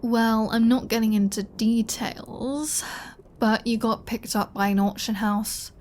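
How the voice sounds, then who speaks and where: Female vampire played by a woman, unhurried delivery, flirty and sardonic, playfully bossy, for intimate roleplay audio drama. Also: medium pitch, darkish tone, natural voice. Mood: dry, teasing. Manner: playful, teasing, dry, bossy.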